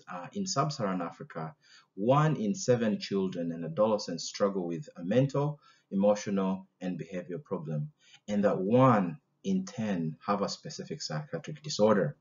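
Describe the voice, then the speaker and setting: A young man from Uganda, a doctoral candidate, presenting a research summary in a measured way with frequent "uh" fillers. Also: sits low, dull audio. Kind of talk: prepared research summary talk.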